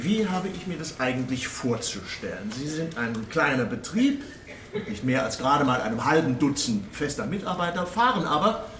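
A man's voice: on the high side, a bit bright, echoey room, a little hiss or hum. An actor playing an ironic male public prosecutor who questions a businesswoman in a radio play. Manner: probing, ironic.

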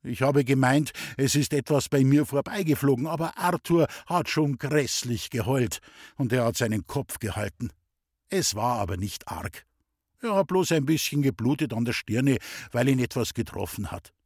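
A male reader telling a story with a husky, slightly breathy voice and a lively, swinging intonation. His delivery is expressive, and the sound is close and dry. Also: medium pitch, moderate pace, no echo. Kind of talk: storybook reading.

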